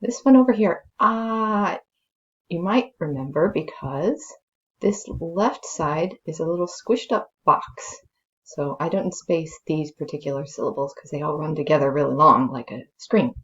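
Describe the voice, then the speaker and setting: Her voice is low and unhurried, and the sound is lo-fi. A native English speaker working as a language teacher, she gives a slow, dramatic story reading before moving into relaxed lesson commentary, thinking aloud while teaching informally.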